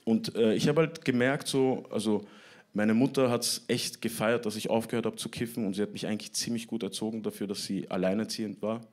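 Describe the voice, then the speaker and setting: Young man, stand-up comedian, animated storytelling, slightly low voice, club stage. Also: fairly quick. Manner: animated storytelling, acts out whiny teen voices.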